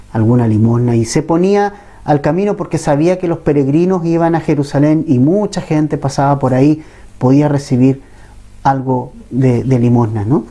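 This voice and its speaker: Preaching a Bible-teaching sermon in a Chilean Spanish accent, this man speaks in a mellow, medium-pitched voice. His style is conversational, with frequent questions to the congregation.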